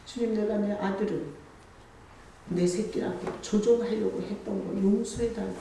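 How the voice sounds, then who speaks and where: A woman's voice: mid-range voice, fairly even intonation, moderate pace, gravelly, far from the mic, noisy background. Woman pastor preaching in an echoey church. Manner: conversational preaching, acts out dialogue with God, rising to emphatic. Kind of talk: sermon. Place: church sanctuary.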